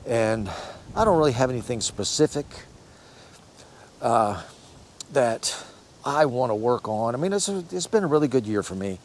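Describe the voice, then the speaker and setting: A man's voice: mid-range voice, expressive, normal speed, long pauses, a little hiss or hum. A man in his sixties hosting a fitness vlog, talking casually to camera in a rambling, encouraging way and often correcting himself. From United States. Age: 60s. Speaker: fitness channel host.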